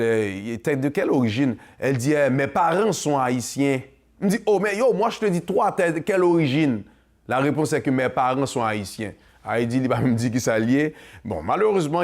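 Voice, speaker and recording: A man's voice: medium pitch, animated, brisk, a little mellow. A man with a Haitian accent hosting a community show, talking passionately and mixing Creole into his French. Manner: passionate, switches between French and Creole, sings. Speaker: host. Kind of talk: casual monologue to camera.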